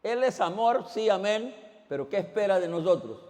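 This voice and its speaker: High-voiced preacher in a reverberant church. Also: male voice, lively intonation, normal speed. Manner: emphatic, swinging between loud exclamations and quiet asides; questions the congregation directly. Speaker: pastor. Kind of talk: sermon. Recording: long reverb in a church hall.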